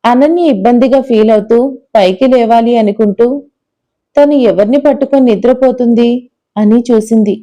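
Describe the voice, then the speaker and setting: A woman storyteller giving expressive, dramatic scripted narration of an audio love story. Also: on the high side, normal speed, lo-fi sound.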